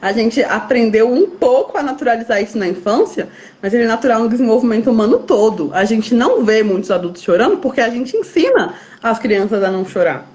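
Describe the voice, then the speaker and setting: A woman's voice: on the high side, lively intonation, a little fast, a little mellow, lo-fi sound. A Brazilian woman, a guest specialist, explaining step by step and acting out what parents and children say. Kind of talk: explanatory interview talk.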